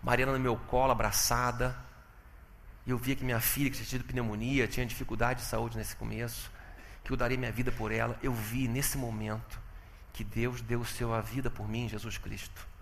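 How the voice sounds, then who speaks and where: Male preacher, bright voice, animated testimony, long hall reverb. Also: medium pitch, a little fast, vocal fry, slight background noise. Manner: animated storytelling, swinging from loud exclamations to hushed tones. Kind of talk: testimony sermon.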